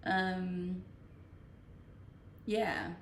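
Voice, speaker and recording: A young woman from Denmark, whose native language is Danish, draws out her words in a low voice while answering stream chat questions, reading each one aloud first. She sounds relaxed, and the roomy, distant-mic home recording carries a little hiss or hum.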